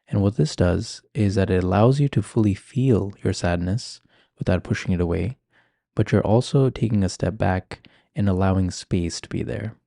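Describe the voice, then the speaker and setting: Low, dark-voiced man guiding meditation. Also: gravelly, no room sound, clean studio sound. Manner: calm, gentle, measured. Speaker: meditation guide. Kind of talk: guided meditation, ASMR-like instruction.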